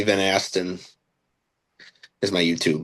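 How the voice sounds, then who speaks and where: A man speaks with a Wisconsin accent and vocal fry. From eastern Wisconsin, near Green Bay. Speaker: hunter. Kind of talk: casual chat.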